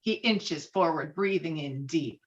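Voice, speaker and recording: This woman speaks a little slowly in a low-pitched voice, giving dramatic readings of stage directions as narrator of a screenplay table read. It's over a video call, so the sound is dull and lo-fi.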